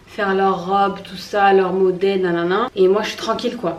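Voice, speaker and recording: Noticeable background noise and audible room echo surround a woman's voice. She speaks at a moderate pace with a medium pitch. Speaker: vlogger. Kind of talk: vlog. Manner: casual.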